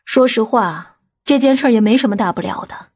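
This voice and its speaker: A woman playing a stern, commanding woman from a powerful family in an audiobook drama, speaking gravely and deliberately. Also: a little high, lively intonation. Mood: assured, grave.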